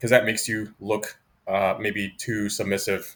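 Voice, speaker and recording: Somewhat breathy, fairly quick speech from a man. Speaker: student mentor giving career advice. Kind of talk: online presentation. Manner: fast; hesitant, many fillers.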